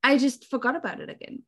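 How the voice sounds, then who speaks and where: Creaky-voiced woman guest. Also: sits high, lively intonation, fairly quick. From Austria. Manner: chatty, self-deprecating, laughs often. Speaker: podcast guest. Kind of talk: casual chat.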